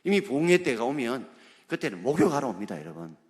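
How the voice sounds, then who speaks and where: In a church sanctuary with long hall reverb, a male pastor preaches a sermon, hammering his points home with rhetorical questions to the congregation. His medium-pitched voice is very animated and quick.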